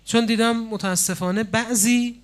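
A man preaching a sermon with passion, pausing for drama and swinging suddenly between loud and quiet. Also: extremely high pitch, fairly even intonation, clear, resonant tone. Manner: impassioned, with dramatic pauses and sudden swings in loudness. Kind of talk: religious sermon.

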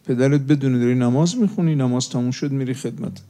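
An impassioned man delivers a sermon to young listeners at a religious gathering. He pleads with them in an earnest, urgent way. He slows down whenever he recites a sacred saying. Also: medium pitch, warm tone. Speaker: preacher.

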